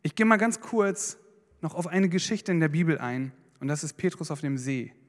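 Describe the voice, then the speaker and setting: Man, sermon, lively, high pitch, reverberant hall. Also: moderate pace. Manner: lively, dramatizing with acted-out prayers. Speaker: preacher. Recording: long hall reverb with faint guitar.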